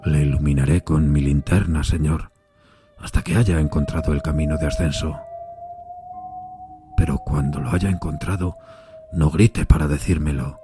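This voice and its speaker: A man voicing a troubled, deferential railway signalman in a gothic audio story, speaking gravely, slowly and in a hushed way. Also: a bass voice, steady tone, music in the background. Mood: guarded. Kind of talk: dramatised gothic audiobook dialogue.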